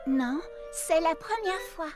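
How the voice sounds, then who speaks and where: A woman's voice: extremely high pitch, animated, takes it slowly, full character voice. A woman voicing an eager, polite, hesitant girl in a French cartoon dub. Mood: sweet, shy. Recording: music behind the voice.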